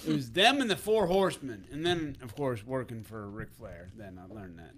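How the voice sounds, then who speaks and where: A man hosting a casual podcast, boisterous and excitable, swearing freely. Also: medium pitch, normal speed. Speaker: podcast host. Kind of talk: casual chat.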